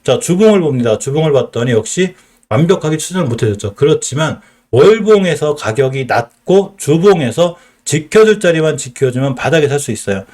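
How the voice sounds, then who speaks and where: A middle-aged man with a Chungcheong Korean accent teaches stock charts on a live stream, explaining, then asking and answering his own questions. His voice is fairly high, animated and brisk, with a darkish tone.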